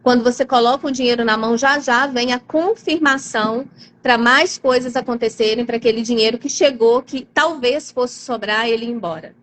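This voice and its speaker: A woman with a Brazilian accent speaks in a lively, slightly high voice, acting out the people she quotes. It is a live-stream chat. A faint hiss of noise sits behind her. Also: normal speed. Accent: Brazilian Portuguese. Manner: animated, acts out quoted voices. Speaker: guest speaker.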